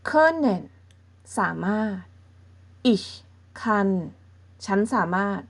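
A woman's voice: medium pitch, flat delivery. A woman teaching a beginner language lesson, explaining patiently step by step and often checking in with her listeners. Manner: patient, explains slowly and checks in with softening particles.

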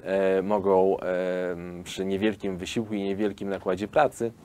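A man in his thirties, a film studio founder, explains his investment offer in an interview, pausing often with fillers. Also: low-pitched, level tone, warm tone, a little hiss or hum. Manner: explanatory, hesitant with frequent fillers. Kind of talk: business interview.

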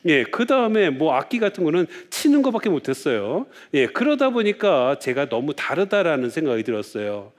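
A man's voice: on the high side, big pitch swings, normal speed, hardly any pauses. A man, a Catholic priest, giving a lecture, telling stories and asking rhetorical questions with frequent "yes" fillers.

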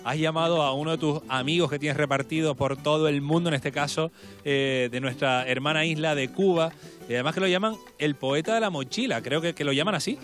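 A man hosts a live television folk show in a Canarian Spanish accent. His voice sits a little high for a man, with some music in the background. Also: brisk, fairly bright tone. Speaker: television host. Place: large studio-like set with seated guests. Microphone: handheld microphone.

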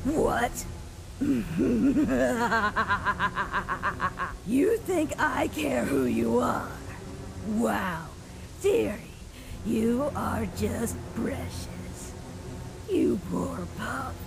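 A woman voicing a menacing female wolf monster in a comic dub, gravelly, with a condescending drawl. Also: on the high side, expressive, extremely slow, long pauses, background noise, heavily acted. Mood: mocking menace. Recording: music behind the voice.

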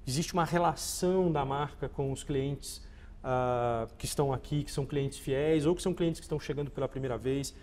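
A man's voice: medium pitch, a little fast, a little mellow. A Brazilian man in his forties giving polished, conversational answers as an interview guest. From Goiás, Brazil. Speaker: interview guest, shopping mall executive. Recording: reverberant space with faint background noise.

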